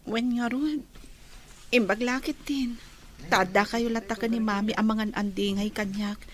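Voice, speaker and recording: An actress playing a gentle young woman working at a small eatery, soft-spoken. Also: on the high side, fairly even intonation, a little slow, close to an everyday voice. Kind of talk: Ilocano radio drama acting.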